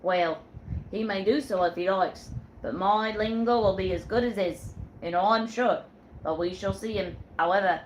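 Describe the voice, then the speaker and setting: A woman voicing a jealous male sailor who talks in blunt, loud nautical slang. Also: mid-range voice, moderate pace, slight background noise, close to an everyday voice, low-quality recording. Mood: blustering. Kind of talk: read-aloud storytelling.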